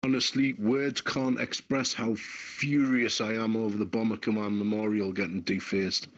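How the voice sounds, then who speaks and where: A man's voice: on the low side, little pitch movement, moderate pace, lo-fi sound. A man voicing his opinion on a podcast.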